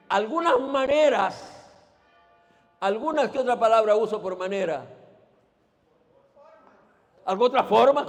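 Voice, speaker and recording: Pastor preaching in a reverberant church. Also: male voice, high-pitched. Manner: asks the congregation to repeat after him, rhetorical questions. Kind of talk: sermon. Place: church sanctuary.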